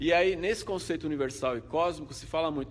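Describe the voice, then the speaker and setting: Talking at a very fast pace, a man has a fairly high pitch. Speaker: Umbanda teacher. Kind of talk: live-stream lecture. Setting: live stream on social media.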